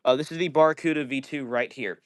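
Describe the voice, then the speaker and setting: Clear-voiced man hosting a casual livestream. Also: medium pitch, fast talker. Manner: upbeat slangy greetings, says "dude" and "yo" often. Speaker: live stream host. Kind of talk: casual chat reading viewer messages.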